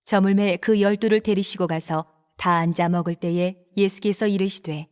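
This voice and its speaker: A woman's voice: medium pitch, normal speed, smooth. Woman narrating scripture steadily. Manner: steady, even storytelling.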